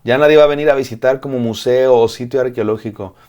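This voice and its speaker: A man's voice: mid-range voice, fast talker, darkish tone. A man, a pastor, preaching a devotional sermon, repeating phrases in rhythmic lists and speaking straight to the listener.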